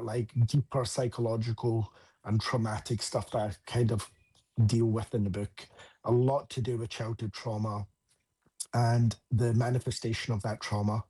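A man's voice: mid-range voice, mellow, slightly rough. A man from Scotland with a Scottish accent, a relationship coach talking at length about his book in an interview, with many fillers and restarts. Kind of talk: interview answer.

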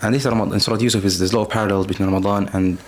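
Fast-talking man reciting and explaining verses. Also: fairly low pitch. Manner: fast, flat delivery, switching between chanted Arabic and English explanation. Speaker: podcast guest, Quran reciter. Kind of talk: recitation and casual religious talk.

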